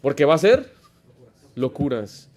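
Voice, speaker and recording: A man's voice: medium pitch, sing-song, measured pace, darkish tone. A man, preaching a Baptist sermon as pastor, emphatic and full of stories and rhetorical questions. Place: church.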